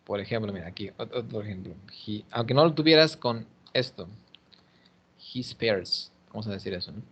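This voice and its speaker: A man's voice: fairly low pitch, a bit bright, husky. Patient male English teacher. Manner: patient, explanatory, models pronunciation slowly. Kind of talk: one-on-one online English lesson. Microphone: video call. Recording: muffled lo-fi call audio.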